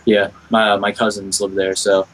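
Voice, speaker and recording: A man's voice: on the low side, flat delivery, normal speed, fairly bright tone, slight background noise, low-quality recording. A young adult man with a General American accent, chatting casually in an earnest, rambling way as a podcast guest. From Florida, United States. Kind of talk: casual chat.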